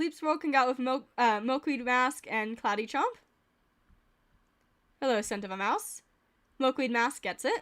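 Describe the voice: A woman with a high pitch and a fairly bright tone speaks at a fairly slow pace, with long, frequent pauses. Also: lively intonation.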